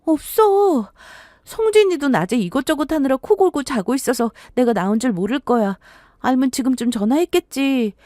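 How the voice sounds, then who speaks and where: A woman storyteller voices a young bride-to-be who sounds puzzled and anxious, firing off one question after another. The character's pitch rises above the narration and jumps around, delivered in an animated way at a moderate pace with a dark tone. The recording is close and dry.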